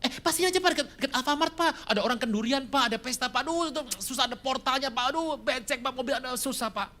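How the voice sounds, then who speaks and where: A preacher voicing an evasive church member who whines and pleads to be dropped off early. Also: male voice, very high voice, bright, forceful tone, a little hiss or hum, pitched above the performer's own voice. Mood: pleading. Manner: whiny, rushed, pleading. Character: evasive church member dodging a ride home.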